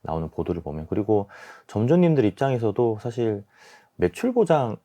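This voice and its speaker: Guy in his 40s, deep mellow voice, expert guest explaining stuff carefully on a radio interview. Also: sing-song, a little fast. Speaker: guest, small-business expert and YouTuber. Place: radio studio.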